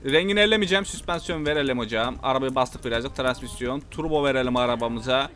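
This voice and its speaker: A young man giving excited gameplay commentary, shouting exclamations, repeating his lines and laughing often as he plays. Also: mid-range voice, fast talker. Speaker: gameplay streamer.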